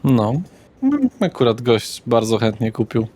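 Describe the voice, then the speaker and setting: A man's voice: on the low side, little pitch movement, measured pace, a little mellow. A man playing a casual, streetwise dealer in a vampire underworld tabletop game, with curt colloquial speech. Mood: businesslike.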